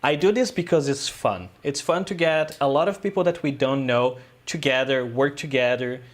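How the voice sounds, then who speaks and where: A man's voice: mid-range voice, normal speed. A man, a guest filmmaker telling a story in a casual interview, rambling loosely with lots of "uh" and "um". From Brazil.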